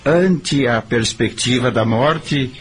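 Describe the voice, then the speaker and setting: An actor playing a repentant, earnest middle-aged father in a radio drama, with a Brazilian accent and a solemn, deliberate delivery. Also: mid-range voice, natural voice. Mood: solemn, reflective.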